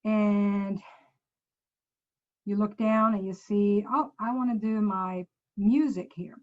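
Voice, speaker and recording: A woman's voice: medium pitch, steady tone, slow pace, dull audio. Swedish-accented woman giving a chatty demo. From Sweden. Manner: chatty, loose, frequent self-corrections. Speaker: presenter. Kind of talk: casual screen-share app demo.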